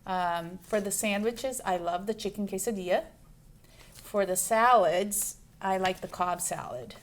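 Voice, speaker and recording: A shop owner from Brazil, a woman in her forties, talks through her answers casually. She fills pauses with ums and restarts her sentences, at an ordinary pitch. A faint hiss sits under the recording. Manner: chatty, lists things with many ums and restarts. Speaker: juice bar owner.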